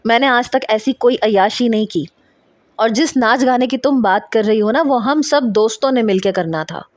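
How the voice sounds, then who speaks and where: A woman voicing a rude young husband who speaks in a low, slow, menacing way in a storybook reading. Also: dry recording, studio quality, lightly acted. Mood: threatening.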